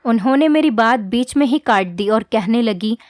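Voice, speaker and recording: Female narrator, earnest scripted storytelling, higher register, dry close-mic sound. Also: lively intonation, moderate pace, no echo. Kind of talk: first-person scripted storytelling.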